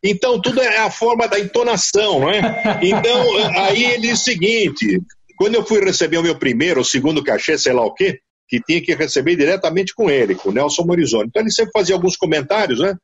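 An older Paulistano man with a husky voice set high, telling radio stories with sudden jumps in pitch. His delivery is animated and full of asides. The sound is dull and lo-fi, as from an online call. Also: fast talker. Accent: Paulistano from Mooca. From São Paulo, Brazil. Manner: animated storyteller, leaps in pitch for emphasis. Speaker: veteran radio broadcaster, guest. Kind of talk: casual storytelling interview over an online call.

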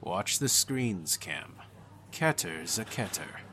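A man's voice: deep voice, very animated, slow, a little hiss or hum, full character voice. A man voicing a friendly, easygoing senior researcher in a spoken story. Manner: easygoing, warm and playful.

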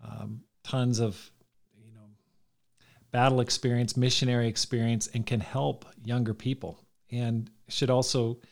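A podcast host who asks questions and encourages the guests with steady affirmations. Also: medium pitch. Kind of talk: casual interview questions.

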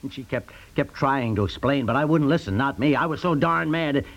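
An actor playing an anxious husband in an old-time radio drama, blustering and remorseful in turn. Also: male voice, mid-range voice, brisk, dull audio, lightly acted. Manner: blustering, self-reproaching, rising to indignant shouts.

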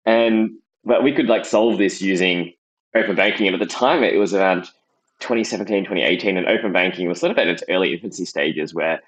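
A man's voice: low-pitched, brisk, poor audio. A man with an Australian accent, a startup founder telling his own story in a podcast interview. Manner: conversational, storytelling. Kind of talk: casual interview answers.

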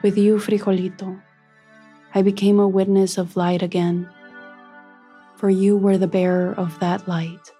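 A woman's voice: mid-range voice, little pitch movement, measured pace, pauses often, mellow, husky, faint music behind. A woman playing Maíz, a wise eldest sister of corn, in a solemn, lyrical audio fiction narration. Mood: solemn, tender.

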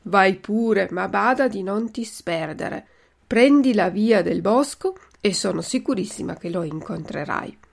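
Woman reading a gentle fairy, calm reassurance, slight vocal fry, storybook. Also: medium pitch, measured pace. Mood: tender.

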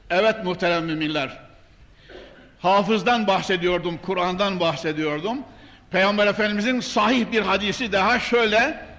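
Older male preacher, high-pitched, at a pulpit mic, long mosque reverb. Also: bright, forceful tone. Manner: emphatic, swelling declamation. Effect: at a pulpit microphone. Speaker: imam preaching. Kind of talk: fervent sermon with Arabic recitation. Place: large mosque. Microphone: pulpit microphone.

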